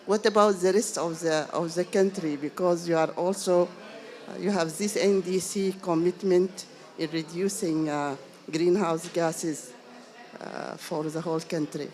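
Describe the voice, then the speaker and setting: A woman's voice: fairly low pitch, fairly even intonation, a little slow, darkish tone. A woman from Sudan asking a panel several questions from the floor, hesitant and full of fillers and restarts. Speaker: audience member asking questions.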